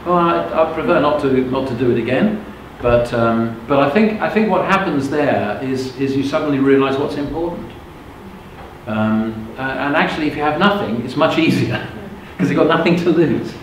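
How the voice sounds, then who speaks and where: A man's voice: on the high side, lively intonation, moderate pace. A middle-aged man from England, a native Russian speaker, telling his life story to a live audience as a motivational speaker. He talks frankly and conversationally, often checking whether listeners follow. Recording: very echoey room with background noise.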